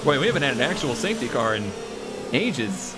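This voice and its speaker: A man's voice: mid-range voice, big pitch swings, fairly quick, very noisy. A man giving casual commentary as he plays a racing game, musing and thinking aloud. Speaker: gaming streamer playing a racing game. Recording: loud engine roar over voice. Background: loud racing car game audio.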